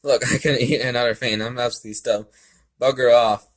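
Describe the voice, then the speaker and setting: Man as huge gluttonous girl, grumpy, blunt, demanding, medium male-range pitch, story reading. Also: fairly even intonation, brisk, natural voice. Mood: stuffed, grumpy. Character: gluttonous, grumpy giant young girl diner.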